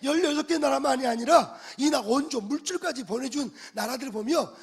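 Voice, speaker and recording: A middle-aged male pastor preaching a sermon, animated, with sudden loud bursts and call-and-response with the congregation. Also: very high-pitched, fairly quick, creaky, slightly rough.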